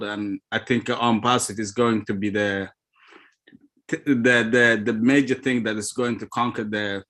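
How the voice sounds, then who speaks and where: A man's voice: on the low side, fairly bright tone. Earnest man from Ethiopia on a call. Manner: earnest, halting, with restarts. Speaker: call participant. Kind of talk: heartfelt personal testimony. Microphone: video call.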